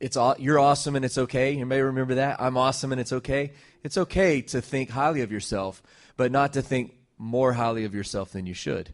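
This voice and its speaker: Against a quiet background, a man at a medium pitch talks at a very fast pace with ordinary pitch variation. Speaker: pastor. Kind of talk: sermon. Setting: church. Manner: fast talker.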